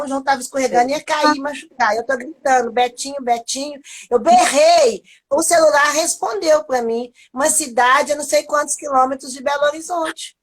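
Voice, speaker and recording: A middle-aged Brazilian woman hosting a casual live chat, telling stories in an animated way with many restarts. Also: high-pitched. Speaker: host.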